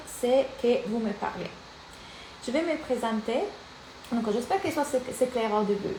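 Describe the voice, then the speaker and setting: A woman's voice: a little high, mellow. A woman from Italy with an Italian accent, a life and business coach speaking energetically and directly to viewers in a live-streamed masterclass. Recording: echoey room with background noise.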